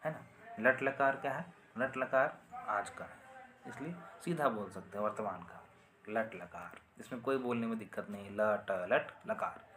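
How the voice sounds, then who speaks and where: A man's voice: mid-range voice, normal speed, fairly bright tone, a little hiss or hum. A man teaching a Sanskrit grammar lesson online, explaining with repetition and often asking "है ना?" to check understanding.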